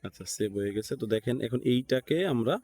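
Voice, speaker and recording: Male tutorial instructor, Bangladeshi accent, average pitch, informal step-by-step delivery that checks in with the listener. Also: fairly even intonation, fast, mellow. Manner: thinks aloud, checks in with listeners.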